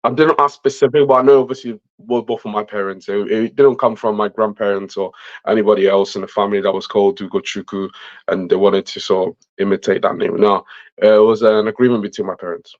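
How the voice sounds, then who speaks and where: A man's voice: fairly low pitch, steady tone, quick pace, no echo, dull audio. A man from Italy speaking casually as an interview guest, repeating phrases for emphasis. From Italy, born and raised. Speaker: interview guest, vice president of a community organisation.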